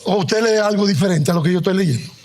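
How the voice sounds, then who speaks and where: A male pastor with a high, slightly mellow voice preaches a sermon conversationally, weaving humor into his Bible teaching. He's emphatic, drawing out the words he stresses, and has the congregation repeat after him.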